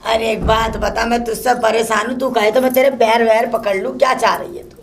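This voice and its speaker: In a solo comedy sketch, a woman plays a scolding old mother-in-law who curses and complains without pause in a shrill manner. Her delivery is a little fast, with a steady tone and a creaky quality.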